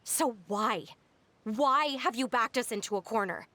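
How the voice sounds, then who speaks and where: A woman's voice: on the high side, measured pace, sharp tone. A woman voicing a cornered young woman in a game, who speaks with indignant, accusing defiance. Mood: bitter defiant. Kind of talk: game cutscene voice acting.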